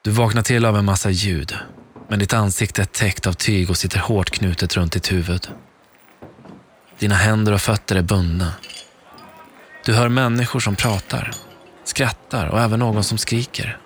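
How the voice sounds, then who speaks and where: A man reading a second-person dramatic audio story in a slow, hushed storytelling manner. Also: on the low side, fairly even intonation, a little hiss or hum. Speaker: narrator. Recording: narration over clear background music. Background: music.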